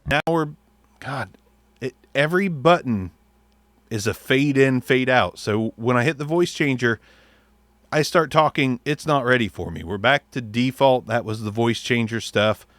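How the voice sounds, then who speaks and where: A man's voice: mid-range voice, measured pace, fairly bright tone, dry recording. Blunt, casual male gear reviewer. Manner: blunt, profane, thinking aloud. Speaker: mic reviewer.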